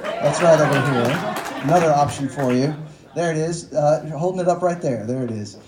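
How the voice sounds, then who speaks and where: At a bookstore event, a Texan author in his forties tells self-deprecating stories full of fillers and jokes, his voice a little high and his pace normal. A loud crowd and an echoey room with faint noise surround him.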